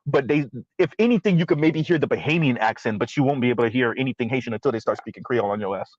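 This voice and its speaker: A man's voice: mid-range voice, expressive, rapid-fire, darkish tone, no room sound, dull audio. A man hosting a casual panel chat, cracking jokes and laughing at them. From South Florida. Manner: joking, laughs at his own jokes. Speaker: podcast host.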